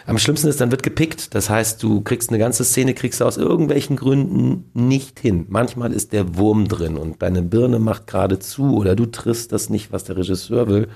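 A male actor as an interview guest, telling lively stories about film sets in a casual way. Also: fairly low pitch, moderate pace, creaky, few pauses, husky. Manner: animated storytelling with acted quotes.

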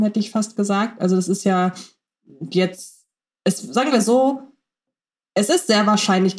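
A woman's voice: medium pitch, darkish tone. Female podcast co-host, mid-range voice, reflective and conversational, thinks aloud.

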